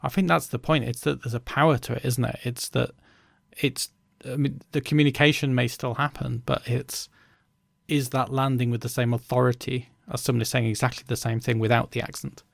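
A man's voice: mid-range voice, little pitch movement, brisk, gravelly, dry recording, clean studio sound. A man who works in learning and development, talking in a chatty, reflective way with lots of "you know". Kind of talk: casual conversational chat.

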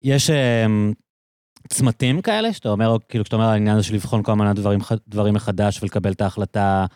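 A man with a low voice hosts a relaxed interview. He asks his questions tentatively, with frequent pauses and fillers, recorded dry and close. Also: no room sound. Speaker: podcast host. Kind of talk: casual interview.

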